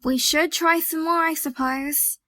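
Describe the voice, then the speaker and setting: A woman's voice: high voice, steady tone, a little slow, sharp tone, no room sound. A woman playing an exasperated, sceptical young woman in an audio drama, sarcastic and matter-of-fact. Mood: reasoning.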